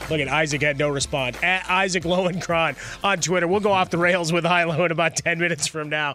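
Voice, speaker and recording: With music in the background, a man talks at a very fast pace in a high voice, his intonation fairly even and his loudness very even. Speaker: sports radio host. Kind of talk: casual chat. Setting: studio.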